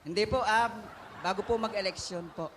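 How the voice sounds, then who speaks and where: A man's voice: high-pitched, normal speed, fairly bright tone, a little hiss or hum. A man being interviewed on a live variety show, answering politely and hesitantly. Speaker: contestant guest.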